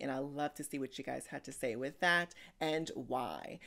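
This woman talks at a moderate pace. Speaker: reaction channel host. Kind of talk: casual vlog chat. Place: home room.

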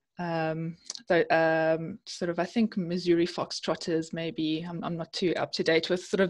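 The speech moves at a moderate pace against a quiet background. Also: woman. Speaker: vet, webinar host; webinar host. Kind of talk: webinar moderation. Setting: video call. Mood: friendly, slightly hesitant. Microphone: headset.

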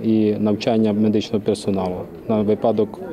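A man speaks over light background noise. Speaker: hospital official. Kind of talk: interview. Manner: formal. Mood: calm, serious. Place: street.

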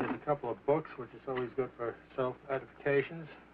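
A man over noticeable background noise. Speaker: bike shop owner, documentary subject. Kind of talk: documentary interview. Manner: halting. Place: home room.

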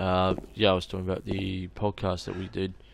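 Speaking at a fairly slow pace, a man with an Australian accent has a very deep, low pitch. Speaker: gaming YouTuber. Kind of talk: let's play commentary. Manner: rambling, hesitant.

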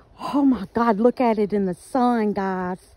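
The woman's voice has a dry sound with no echo. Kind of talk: casual vlog chat. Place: garden. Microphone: phone near.

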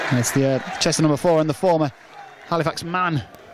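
Over noticeable background noise, a man speaks at a very fast pace in an energetic tone, with ordinary pitch variation. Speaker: football commentator. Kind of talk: live football match commentary, fluent scene-setting play-by-play. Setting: stadium commentary over match footage. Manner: fluent, brisk and energetic, reacting to each touch and chance; clear and informative, with some scene-setting background detail.

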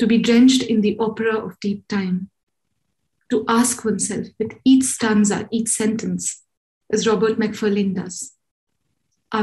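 A somewhat breathy woman's voice, fairly high in pitch with a dark, mellow tone, at a moderate pace with long, frequent pauses, over a quiet background. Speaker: art writer. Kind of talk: reading aloud a prepared talk. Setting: video call. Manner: formal. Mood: calm, reflective. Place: home room. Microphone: video call.

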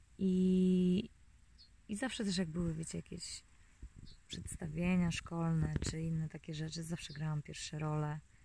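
A dark, mellow, somewhat breathy voice moves at a fairly slow pace with fairly even intonation. The sound is dry with no echo, with light background noise. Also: woman, fairly low pitch for a woman. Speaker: vlogger. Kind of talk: casual reflective vlog talk. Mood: emotional, reflective. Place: open country. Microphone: phone near.

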